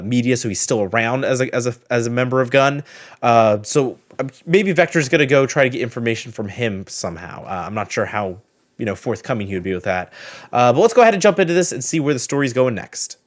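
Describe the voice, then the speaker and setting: Casual male reaction video host. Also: mid-range voice.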